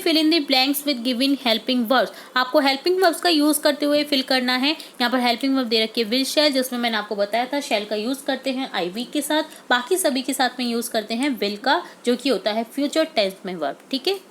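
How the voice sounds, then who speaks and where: A woman teaching English worksheets in Hindi with an Indian English accent, reading example sentences slowly and deliberately. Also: sits high, a little hiss or hum. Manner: explains in Hindi, mixing English words. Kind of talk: worksheet solution walkthrough.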